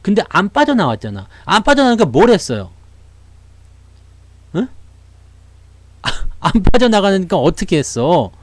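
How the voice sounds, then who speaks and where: Man, market commentator, high lively voice, sardonic rhetorical questions, dry close sound. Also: unhurried, long pauses, no echo. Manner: animated, mocking, rhetorical questions; blunt, slangy asides.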